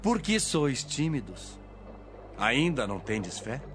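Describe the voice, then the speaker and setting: A man's voice: mid-range voice, sing-song, slow pace, a bit bright. Male actor as authoritative holy teacher, solemn, widely varied intonation, audio Bible drama, prominent music. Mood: commanding.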